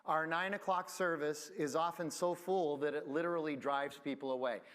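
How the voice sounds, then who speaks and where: Chatty pastor giving church announcements. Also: male voice, on the high side, steady tone, moderate pace, fairly bright tone, clear, resonant tone. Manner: friendly, conversational, with many fillers. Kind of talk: church announcements before sermon.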